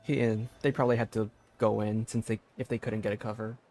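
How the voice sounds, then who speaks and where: A man's voice: on the low side, little pitch movement, quick pace, darkish tone. A man chatting casually as he livestreams a video game. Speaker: game streamer.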